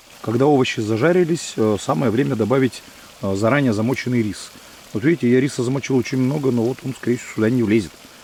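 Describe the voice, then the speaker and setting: A man at medium pitch talking very fast with ordinary pitch variation, over noticeable background noise. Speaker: outdoor vlogger. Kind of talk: vlog narration.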